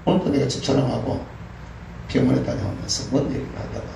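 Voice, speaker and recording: A man's voice: mid-range voice, fast talker, creaky. A middle-aged man preaching a sermon in a folksy way, acting out prayers and grumbles with frequent laughs. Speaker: pastor. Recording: echoey room, mic at a distance, faint noise.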